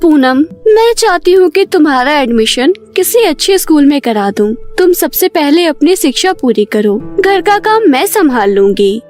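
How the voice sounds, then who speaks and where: A woman's voice: high voice, big pitch swings, normal speed, hardly any pauses, darkish tone, soft background music. A woman voicing a caring, protective young woman, the elder sister in a cartoon story. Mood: protective, firm.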